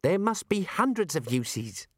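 A man voicing a keen young male wizard scholar, eager and deliberate. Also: fairly high pitch, very animated, a bit bright, no echo, clean studio sound, pitched above the performer's own voice, heavily acted.

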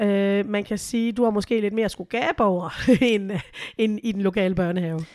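A woman's voice: mid-range voice, fairly even intonation, darkish tone, no echo, studio quality. A woman co-hosting a podcast in casual chat, giggly and hesitant, her voice changed by a cold, at home in a living room. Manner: giggly, hesitant with many fillers. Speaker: podcast co-host.

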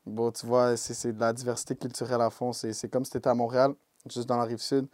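A young man with a Québécois French accent, a rapper answering interview questions in a relaxed way and dropping English slang. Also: mid-range voice, quick pace, no room sound. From Quebec, Canada. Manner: laid-back, peppered with English slang like "yo" and "bro". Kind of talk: casual interview talk.

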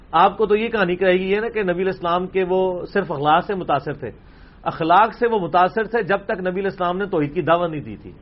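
A man's voice: sits high, dull audio. A man answering audience questions as a religious scholar, arguing hard with rhetorical questions and quoted opponents. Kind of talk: impassioned religious Q&A talk.

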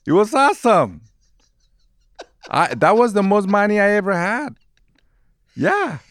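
Man, 50s, Guatemalan accent; lively storyteller, dry close sound. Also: high voice, measured pace, dry recording. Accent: Guatemalan Spanish. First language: Spanish. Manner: warm, animated storyteller who laughs easily. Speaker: movie theater manager. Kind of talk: storytelling in an interview.

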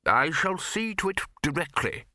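A man acts out an anxious, obsequious college official in a comic fantasy storybook. He is careful and placating, with hesitant stammers under forced politeness. His voice is bright, dry and close, moving a lot in pitch. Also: very animated, unhurried, no room sound. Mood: smoothly placating. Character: nervous, placating, deferential male university bursar at a wizards' college.

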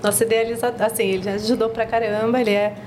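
Brazilian woman podcast guest, fast and bright-voiced, spirited storyteller. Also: fairly high pitch, background noise. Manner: animated storyteller, acts out quotes. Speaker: podcast guest, project founder. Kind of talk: casual podcast chat.

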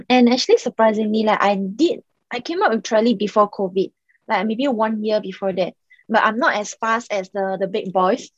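A woman's voice: mid-range voice, moderate pace, slightly rough, no room sound. Young Singaporean woman founder; casual, filler-heavy talk, dry slightly muffled recording. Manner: chatty, many "like" and "um" fillers. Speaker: startup founder, guest. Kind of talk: casual podcast interview.

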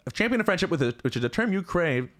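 Podcast host, young man, slightly high, very animated, teasing and profane. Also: very fast. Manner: excitable, swearing, teasing. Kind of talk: casual comedic chat.

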